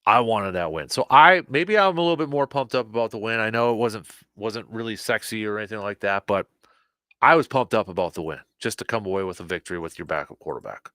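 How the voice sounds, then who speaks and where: A man hosting a casual sports talk show, a little hoarse, animated, often repeating and restarting his words. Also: fairly low pitch, fast talker, no room sound. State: slightly hoarse, losing his voice.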